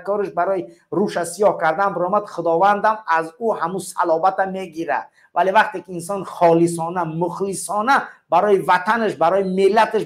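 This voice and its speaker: A man with a Tajik accent hosts a political call-in show. His voice sits fairly high, and he delivers it like a sermon, stacking parallel phrases one after another. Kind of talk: preachy political call-in talk.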